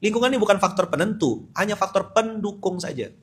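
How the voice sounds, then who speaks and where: A man in his forties, a preacher from West Kalimantan with a Sambas Malay-tinged accent, giving a casual live sermon that swings from loud indignant bursts to low asides. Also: fast, breathy edge. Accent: Sambas Malay-tinged Indonesian. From West Kalimantan, Indonesia. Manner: animated, bursts into loud indignant outbursts then drops low.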